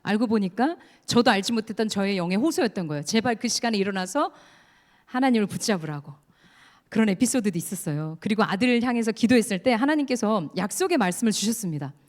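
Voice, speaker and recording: A woman's voice: mid-range voice, lively intonation, fast. A woman deaconess giving an earnest testimony sermon in a church, telling her story and leading the congregation in reading scripture. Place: church sanctuary. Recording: long church hall reverb.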